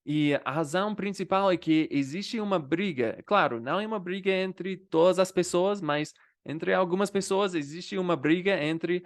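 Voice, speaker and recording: A man's voice: high-pitched, normal speed, hardly any pauses. A man from the United States with an American accent, talking casually to his viewers as a language vlogger and often ending phrases with a questioning tag. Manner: conversational, often adds "né?" and "entendeu?" as tags. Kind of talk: casual explanatory vlog.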